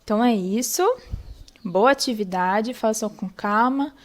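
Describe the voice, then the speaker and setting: A young woman with a fairly high voice teaches an online lesson. She explains slowly and patiently, step by step, and checks in often to make sure her students follow.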